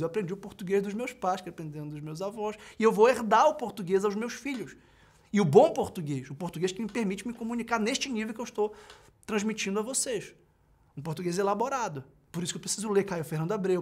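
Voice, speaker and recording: Emphatic Brazilian man lecturing, high-pitched for a man. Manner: emphatic, builds points in repeated lists. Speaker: professor giving an open class. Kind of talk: lecture to camera. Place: wood-panelled study with bookshelves, seated at desk.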